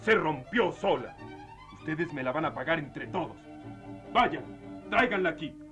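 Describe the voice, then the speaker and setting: A man's voice: fairly high pitch, animated, normal speed, bright, forceful tone, soft background music. A man playing a miserly, hot-tempered farm boss in a theatrical radio play, accusing, threatening and full of self-pity. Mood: angry, threatening.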